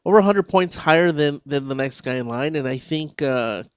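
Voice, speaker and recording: An American man co-hosting talk radio, his fairly high voice bouncing up and down as he cracks sarcastic jokes. The studio sound is dry and close. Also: moderate pace, smooth, no echo. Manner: joking, sarcastic, animated. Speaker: co-host. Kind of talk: casual radio banter.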